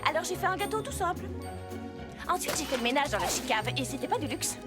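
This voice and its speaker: Bossy sensible cartoon girl, high and bouncy, always scolding. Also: big pitch swings, fast talker, loud music behind the voice. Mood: prim. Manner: prim and scolding. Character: sensible, bossy girl who loves crafts and chores. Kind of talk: French cartoon dub.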